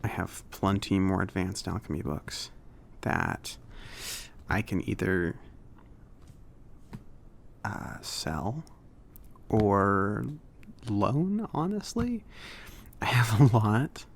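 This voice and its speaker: A man playing a friendly, slightly awkward mage shopkeeper in a soft-spoken, hesitant, casual ASMR roleplay. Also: lowish voice, expressive, extremely slow, gravelly, pauses often, a little hiss or hum, heavily acted. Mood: friendly, helpful. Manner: hesitant, rambling, accommodating. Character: friendly, slightly awkward male mage running a magic shop.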